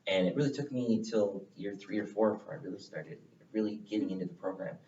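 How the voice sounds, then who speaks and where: A man's voice: fairly low pitch, fast, mellow. A man hosting interviews with club members, friendly and wordy, encouraging as he talks. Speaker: interviewer and club area director. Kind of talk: casual interview. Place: club meeting room. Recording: roomy, distant, dull sound.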